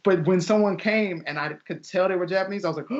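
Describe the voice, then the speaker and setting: A man's voice: high voice, normal speed. A young man, a guest teacher, chatting casually in an interview and acting out quoted voices with laughs as he tells stories. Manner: animated storyteller, acts out quoted voices with laughs. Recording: dull lo-fi audio.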